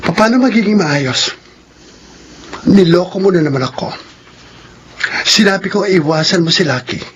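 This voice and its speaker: A man playing a flamboyant, sharp-tongued gay man in a radio drama, with a theatrical, campy delivery. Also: high voice, animated, moderate pace, a little hiss or hum. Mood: hurt, cold. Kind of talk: radio drama acting in Filipino soap.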